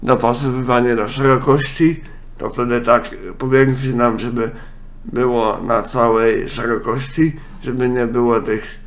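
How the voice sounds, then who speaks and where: A man, a congested nose and a speech impediment, giving a casual, halting software walkthrough. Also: medium pitch, level tone. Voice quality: congested, blocked-nose sound; speech impediment, imperfect articulation. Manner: halting, with self-corrections. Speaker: software tutorial presenter.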